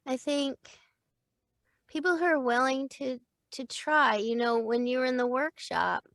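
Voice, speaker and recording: Lively, chatty middle-aged woman. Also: high-pitched, unhurried, dry recording, studio quality. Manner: lively, chatty, laughs easily. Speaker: voice actor and acting coach. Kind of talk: casual interview chat.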